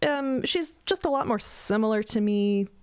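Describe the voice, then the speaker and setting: A woman's voice: on the high side, expressive, normal speed, darkish tone, clear, resonant tone. A woman talking about the characters she plays on a podcast roundtable, earnest and candid, with some hesitant restarts. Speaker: podcast co-creator and voice actor. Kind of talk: casual roundtable chat.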